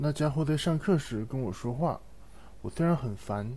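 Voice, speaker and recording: A man's dark, mellow voice moves at a fairly slow pace with lively intonation. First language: Chinese (speaking Japanese). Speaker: Japanese reading participant, teacher. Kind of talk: reading aloud.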